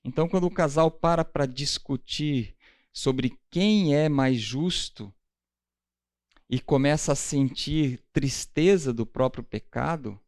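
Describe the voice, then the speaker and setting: A man's voice: mid-range voice, darkish tone, no room sound, clean studio sound. A man with a Brazilian Portuguese accent teaching a Bible class in a conversational way, often checking in with his listeners. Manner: conversational, often adds the tag question "né?"; asks the class questions directly.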